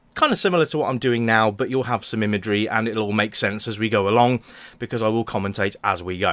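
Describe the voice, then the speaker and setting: With an English accent, a man speaks at a fairly quick pace in a very clean recording with a silent background. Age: 30s. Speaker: podcast host and online retailer. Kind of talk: casual chat.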